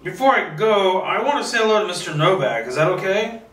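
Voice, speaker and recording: Courteous cop-like man played by a male reader, firm and probing, bright voice, distant mic, table read. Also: high voice, big pitch swings, fairly quick, pitched above the performer's own voice. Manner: polite but firm, probing. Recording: roomy, distant microphone.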